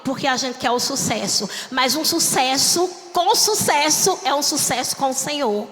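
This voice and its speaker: Woman missionary preacher, bright piercing voice, reverberant church sanctuary. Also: high-pitched. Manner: impassioned, repetitive cadence, rising to shouts. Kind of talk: Pentecostal-style sermon. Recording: long church hall reverb.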